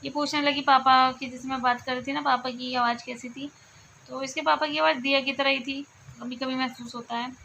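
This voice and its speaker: A woman vlogger chats to her viewers while lying down at home, soft and reflective, circling back to her own phrases. Her voice is bright and fairly high but stays flat in its melody. Faint crickets and insects chirp behind her. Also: a little fast, gravelly, slight background noise. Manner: soft, reflective, repeats herself. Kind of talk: casual confiding chat to viewers.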